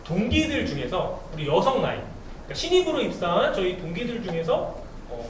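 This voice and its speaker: A man's voice: sits high, big pitch swings, brisk. A man hosting a talk event, upbeat and chatty, reading listener questions aloud to a panel. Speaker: host. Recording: echoey event hall, distant mic, noisy.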